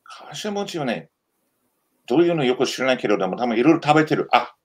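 An American man whose first language is English, co-hosting a casual live-stream chat in halting, non-native Japanese with frequent restarts. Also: mid-range voice, sing-song, breathy edge. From United States. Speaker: co-host, history researcher.

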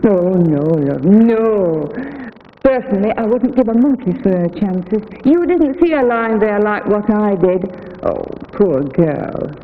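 A woman's voice: medium pitch, animated, measured pace, phone-quality sound, a little hiss or hum, lightly acted. An actress plays a garrulous middle-aged woman, a nosy witness in a 1960s television drama. Her speech is slangy and swoops up and down. It rings in a big hall on thin old film sound. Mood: chatty. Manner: garrulous, colloquial. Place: large bare rehearsal hall.

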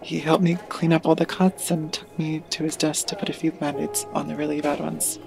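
A woman playing a withdrawn, troubled teenager narrating an audio drama, hesitant and confiding in a creaky voice. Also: low voice, little pitch movement, a little fast, a little mellow, soft background music. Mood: subdued, dazed.

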